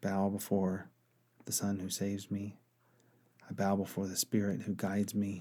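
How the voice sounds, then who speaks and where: A man with an American accent speaks at a moderate pace in a fairly low pitch, his tone calm, dark and mellow. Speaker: pastor. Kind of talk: teaching on prayer beads, with a fervent spoken prayer near the end. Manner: calm, reverent, measured; devout and intimate in the prayer; warm, earnest.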